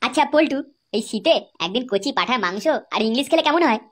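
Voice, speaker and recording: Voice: mid-range voice, expressive, fast talker, a bit bright. A performer voicing a drunken, swaggering village man in a comedy cartoon, foul-mouthed, with a West Bengal accent. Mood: merry drunken. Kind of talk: amateur comedy cartoon dialogue.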